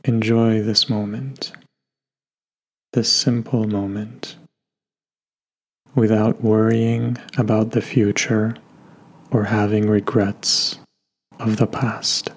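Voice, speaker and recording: A man leads a guided meditation at a very slow pace, with long pauses between gentle instructions. His voice is soft-edged and husky, with little melodic movement. Faint music plays behind him. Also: fairly low pitch, flat delivery. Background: soft background music.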